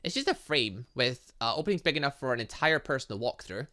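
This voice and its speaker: A gaming host with a medium-pitched voice reads visual novel dialogue aloud at a fast pace. He keeps cutting in with playful asides and reactions of his own, animated throughout.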